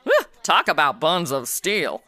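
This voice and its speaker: Casting: flippant modern young woman played by an actress, lively swooping delivery, bright tone, wisecracking audio-comedy sleuth. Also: low-pitched, unhurried, dry recording, heavily acted. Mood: flippant, probing. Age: 20s. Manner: sarcastic, breezy, easily sidetracked. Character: flippant modern twenty-something woman playing amateur detective. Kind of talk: comedy audio drama, wisecracking first-person narration.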